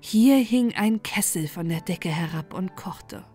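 A woman storyteller reading a fairy tale aloud in a calm, soothing bedtime manner. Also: fairly low pitch, unhurried, slightly rough, soft background music.

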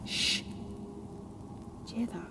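An actress playing an injured, desperate research scientist with a blunt, sharp tongue and urgent manner in an audio drama. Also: female voice, slow pace, noisy background, close to an everyday voice. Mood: hushed, haunted.

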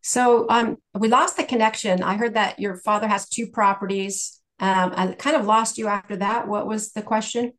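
A woman with a mid-pitched voice speaks as a guest expert in a question-and-answer session. She explains things carefully and in measured steps, like someone walking through regulations point by point. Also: fairly even intonation, fairly bright tone. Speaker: guest speaker, tax exchange specialist.

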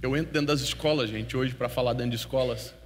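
A man preaching a sermon, telling a story with feeling and swinging from hushed to loud. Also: mid-range voice, fairly even intonation, quick pace, slight background noise. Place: church hall. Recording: long hall reverb with faint music.

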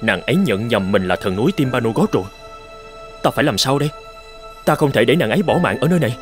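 A man playing a proud young tribal warrior posing as a god in an animated folktale, commanding and protective. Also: medium pitch, quick pace, faint music behind, lightly acted. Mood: troubled, smitten. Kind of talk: dubbed animated folktale acting.

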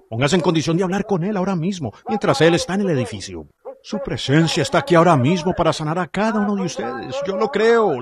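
A man preaching a sermon with fervor, calling out directly to the congregation. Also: high-pitched.

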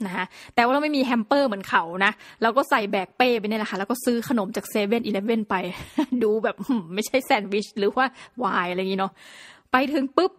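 A woman hosting a podcast tells stories in a chatty, playful way, full of lively little exclamations. Her voice sits a bit high. The sound is close and dry. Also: no echo. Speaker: podcast host. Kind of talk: casual solo podcast talk.

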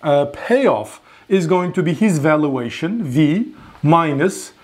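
A man's voice: a little high, expressive, takes it slowly. Man lecturing at a whiteboard. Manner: explanatory, repeats words while thinking, frequent "all right?" checks. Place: classroom in front of a whiteboard.

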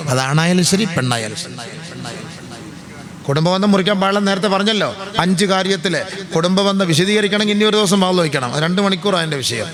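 A man with a high-sitting voice preaches an Islamic sermon to a gathering, shifting between loud, slow, chanted passages and calm, chatty asides. He questions the audience and jokes with them along the way.

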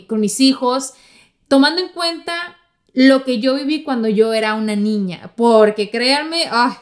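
A woman from Mexico with a Mexican accent, hosting a podcast and telling stories in a chatty way, talking straight to her listeners. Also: on the high side. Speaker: podcast host. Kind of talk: casual podcast monologue.

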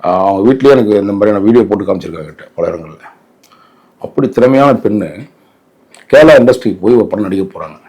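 A man's voice: on the low side, lively intonation, fast talker, pauses often, warm tone, husky. A man with a Tamil Nadu accent giving opinionated interview commentary in an emphatic, indignant way, often posing rhetorical questions.

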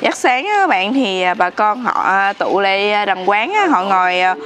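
A woman's voice: medium pitch, animated, normal speed, a crowd in the background. A young woman with a southern Vietnamese accent, chatting in a familiar, exclamatory way as a street vendor and vlogger. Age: young adult. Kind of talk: casual chat with customers and viewers. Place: open roadside yard outdoors. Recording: outdoor street noise behind voice.

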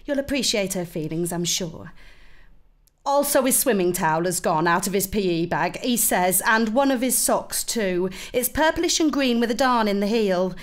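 A woman's voice: medium pitch, lively intonation, moderate pace, lightly acted. A British woman playing a fussy, politely aggrieved mother reading out her letter to school in a comic monologue. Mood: prim, aggrieved. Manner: prim, mildly reproachful. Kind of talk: comic dramatic monologue, letter read aloud.

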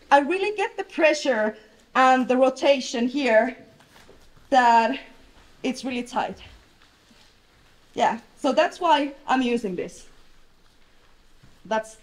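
A woman in her thirties with a Finnish accent runs a hands-on jiu-jitsu class. Her voice sits high and she talks slowly, stopping often. She speaks loudly and plainly, recorded by a distant camera in a large, bright training hall. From Finland. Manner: loud voice, plain halting instruction. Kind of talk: live technique demonstration.

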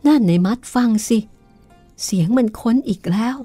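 A hoarse woman voicing a fussy, easily frightened old housekeeper in a horror novel read-aloud. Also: on the high side, animated, normal speed, mellow, soft background music, pitched above the performer's own voice. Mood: suspicious. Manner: shrieking for help in panic. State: hoarse from a cold.

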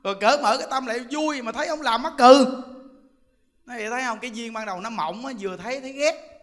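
A monk with a Southern Vietnamese accent preaches in a very high, bright voice, chatty and full of jokes. His talk rings out with a long hall reverb behind him. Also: fast talker. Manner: chatty, joking storyteller who laughs often. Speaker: Buddhist monk teaching Dharma. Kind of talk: humorous Dharma talk.

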